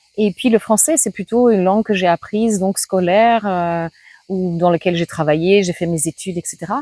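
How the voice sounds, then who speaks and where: A woman talks at a moderate pace and medium pitch with ordinary pitch variation, in a dry, close sound with no echo. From Australia until age 7, then Belgium and France. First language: English (speaking French). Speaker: cooking and baking YouTuber. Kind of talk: casual vlog.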